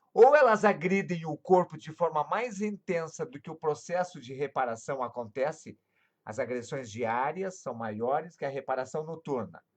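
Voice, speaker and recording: With an ordinary speaking voice, a man at a fairly high pitch talks at a moderate pace, his loudness swinging widely against a quiet background. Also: lively intonation. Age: 60s. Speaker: doctor. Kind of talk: live talk on health. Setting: live stream.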